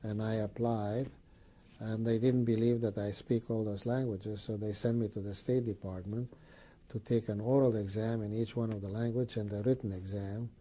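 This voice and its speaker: A man in his seventies, born in Greece, recalling his life in an oral history interview, with many pauses and fillers. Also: lowish voice, fairly even intonation, mellow. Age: 70s.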